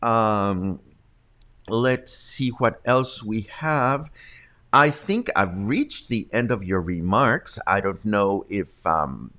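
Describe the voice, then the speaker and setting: A man in his 50s hosts a local news livestream from a home studio, speaking into a large condenser mic in a lowish, somewhat bright voice. Congested from allergies, he reads the news casually and chats, reading viewer comments aloud.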